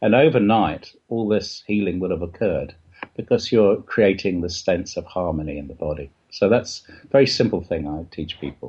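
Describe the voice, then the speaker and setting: A man talks at a moderate pace with very deep, low pitch. His voice is somewhat breathy, with lively intonation. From England, north of London. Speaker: family doctor and author. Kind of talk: interview. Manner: halting, many fillers.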